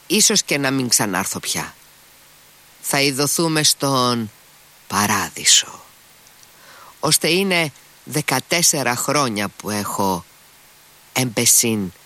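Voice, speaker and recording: A man's voice: expressive, long pauses, bright, forceful tone. A man reading an audiobook, voicing a tormented middle-aged man haunted by guilt, pleading and anguished. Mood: grim. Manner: anguished, pleading, voice breaking into high cries. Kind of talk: audiobook character voice.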